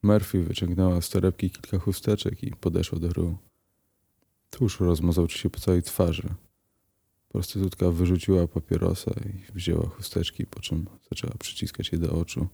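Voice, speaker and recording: A man narrating a crime story aloud in a calm, even reading voice. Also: low-pitched, normal speed, gravelly, breathy edge. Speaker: audiobook narrator.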